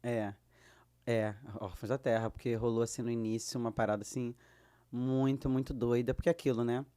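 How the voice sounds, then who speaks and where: A Brazilian woman with a Brazilian Portuguese accent, a guest actress telling lively anecdotes and acting out the dialogue she quotes. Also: rumbling low, a little fast. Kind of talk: casual storytelling.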